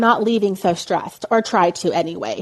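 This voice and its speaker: Talking at a moderate pace, a woman has an unremarkable speaking voice. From Texas. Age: 40s. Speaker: travel planner. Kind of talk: casual chat.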